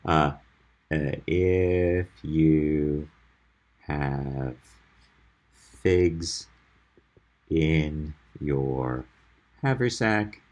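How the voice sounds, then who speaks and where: Very deep, slow-talking male math teacher. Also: a little mellow. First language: Albanian. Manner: patient, explains step by step, checks in with "okay?". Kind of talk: classroom lecture on functions.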